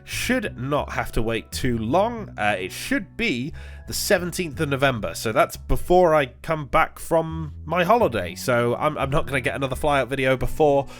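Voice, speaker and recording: Faint music plays behind this medium-pitched, animated man talking at a moderate pace. Congested as he recovers from being sick, he hosts his gaming channel with loose, rambling play-by-play, constantly restarting and using fillers.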